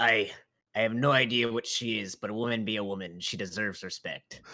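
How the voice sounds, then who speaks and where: A man's put-on character voice in a Scottish accent, raspy and medium in pitch, fairly quick, with fairly even intonation. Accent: Scottish-style, says aye and lass. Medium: actual play. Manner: gallant, courtly.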